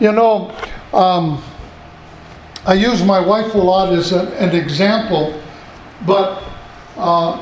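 Noticeable background noise surrounds a man speaking with a high pitch. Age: 70s. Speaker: pastor. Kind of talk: sermon. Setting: church.

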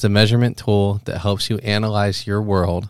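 A man with an American accent talks at a fairly quick pace and fairly low pitch in a plain, everyday voice, on a very clean recording with a silent background. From US Northeast, Philadelphia area. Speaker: podcast host. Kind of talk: solo commentary monologue.

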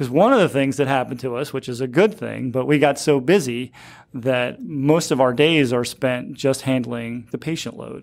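Using a plain, everyday voice, a man with an American accent talks at medium pitch and a moderate pace with ordinary pitch variation. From South Jersey, US. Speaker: chiropractor. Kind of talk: interview.

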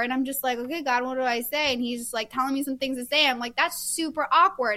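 This woman speaks very fast in a raised, projected voice with a high pitch. Her tone is animated, bright and sharp. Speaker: author. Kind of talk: casual chat.

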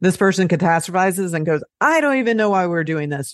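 A woman speaks at a moderate pace in a normal speaking voice, fairly low in pitch with ordinary pitch variation. The background is quiet. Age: 50s. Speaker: therapist and author. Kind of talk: interview.

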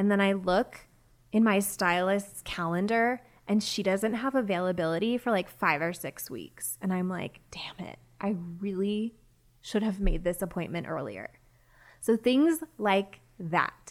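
A woman's medium-pitched, animated voice at a fairly slow pace with ordinary pitch variation, on a very clean recording with a silent background. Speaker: life and business coach. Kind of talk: solo podcast monologue.

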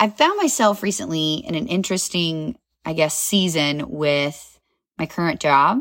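On a very clean recording with a silent background, a woman speaks at a fairly low pitch. Her tone is energetic and her intonation lively. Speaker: self-care podcast host. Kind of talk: solo podcast monologue. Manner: loud.

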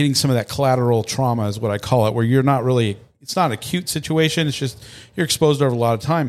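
Talking at a very fast pace, a man with an American accent has a medium pitch. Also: ordinary pitch variation. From Colorado, Boulder area. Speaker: police officer and stand-up comedian. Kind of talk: casual chat. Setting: home studio.

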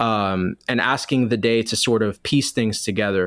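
A medium-pitched man talks at a moderate pace, the recording very clean and the background silent. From New York City, the Bronx. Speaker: artist, poet and author. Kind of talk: casual chat. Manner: halting.

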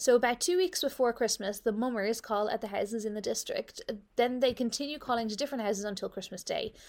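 Talking very fast in an animated tone, a woman speaks with an Irish accent at a fairly high pitch and ordinary pitch variation. The recording is very clean, with a silent background. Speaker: podcast co-host. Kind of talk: casual chat. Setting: in person, at work. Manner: animated, laughing.

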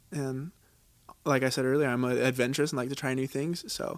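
A man speaks fairly quickly in a plain, everyday voice, pitched fairly high, with an American accent. The recording is very clean, with a silent background. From Washington State, US. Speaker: college student. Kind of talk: casual chat. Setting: studio.

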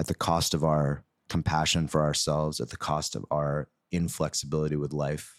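Recorded with a dry, close sound and no echo, a man speaks at a very deep, low pitch. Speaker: podcast host. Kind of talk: solo podcast monologue.

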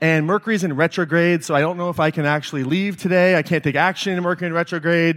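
Talking at a very fast pace with hardly any pauses, a man uses a high pitch and keeps his loudness very even. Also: fairly even intonation. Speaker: podcast host and life coach. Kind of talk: motivational talk to a live audience. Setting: stage with audience.

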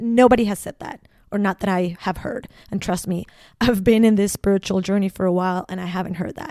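A woman with a Spanish accent speaks at a fairly quick pace in a medium pitch and dark, mellow tone, her intonation fairly even but her loudness swinging widely, in a very clean recording with a silent background and a dry, close sound with no echo. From Ecuador. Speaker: podcast host, spiritual coach. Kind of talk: solo podcast monologue. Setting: at home, living room.

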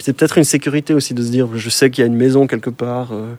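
A man's medium-pitched voice at a very fast pace. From French-speaking Switzerland, Lausanne. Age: 20s. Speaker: cabinetmaker and van-life hobbyist. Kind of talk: interview. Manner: halting, many hesitations.

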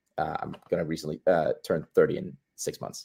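In a very clean recording with a silent background, a man speaks. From moved to US at thirteen. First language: not English. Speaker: tech founder. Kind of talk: interview chat.

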